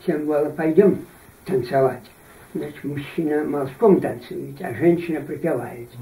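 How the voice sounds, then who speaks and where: Very slow in pace, a man talks with ordinary pitch variation. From Tver region, Russia. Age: 90s. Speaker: village elder. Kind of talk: interview answer. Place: home room. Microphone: camera far.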